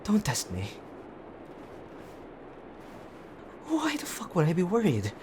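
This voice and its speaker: A man playing a gruff, teasing tsundere boyfriend who is frightened and tender underneath, in an intimate audio drama with brusque, halting urgency. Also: high voice, wildly swooping pitch. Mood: irritated, worried. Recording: clear background ambient noise.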